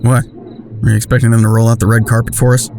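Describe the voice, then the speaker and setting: A man played by an actor talks casually in audio drama dialogue. His voice sits at an average pitch, and he is persistent and teasing, with something troubled underneath. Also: flat delivery, quick pace, a little mellow, a little hiss or hum, lightly acted. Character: teasing, troubled man probing an old shared memory.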